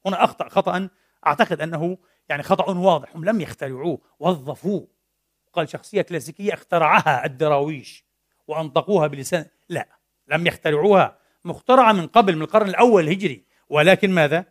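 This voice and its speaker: A man's voice: on the high side, quick pace. A middle-aged man preaching a sermon in a mosque, telling a story animatedly and slipping between formal and colloquial speech. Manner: animated storytelling, mixing classical and colloquial Arabic. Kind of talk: Friday sermon.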